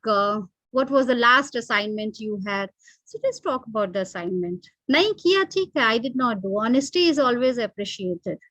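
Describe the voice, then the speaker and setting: A middle-aged Indian woman teaches an online training session in a high, bright-pitched voice. She is emphatic and instructive and slips freely between English and Hindi. The sound is dry and close, with no room around it. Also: no room sound. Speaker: employability trainer.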